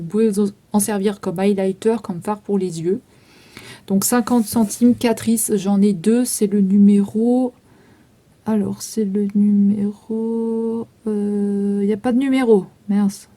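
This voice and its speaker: This mellow, mid-range voice belongs to a thirty-something vlogger from France. She's selling makeup in a relaxed walkthrough, naming prices and quantities and using lots of filler words.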